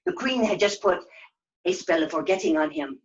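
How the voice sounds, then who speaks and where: A woman narrates a live puppet show for children. Her storytelling is animated, with a wide pitch range. The recording sounds a bit dull. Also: normal speed.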